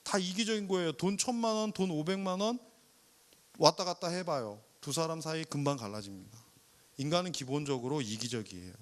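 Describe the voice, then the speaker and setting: A male pastor preaching to a young adults service, animated, firing rhetorical questions and acting out people's complaints and prayers. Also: fairly high pitch, brisk. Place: church worship service.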